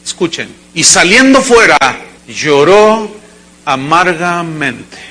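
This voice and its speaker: A male pastor delivering a sermon to a congregation, with dramatic acted quotes and sudden shouts. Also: fairly high pitch, very animated, slow pace. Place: church service before a congregation.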